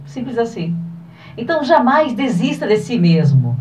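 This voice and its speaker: A woman speaks at a fairly slow pace. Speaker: radio presenter. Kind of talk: motivational message reading.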